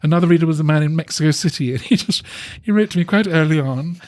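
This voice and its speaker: A man's voice: on the high side, fast, dry recording. Thoughtful man telling stories, dry close mic. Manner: thoughtful, animated storytelling with hesitant restarts. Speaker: guest, dance critic. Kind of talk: relaxed conversational interview.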